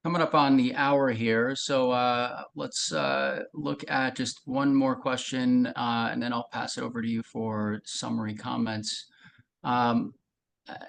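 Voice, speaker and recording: Behind this male moderator's voice there is noise and a low rumble. He has a gravelly, creaky voice and puts investor questions in a halting, hesitant, unscripted way. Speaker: call moderator.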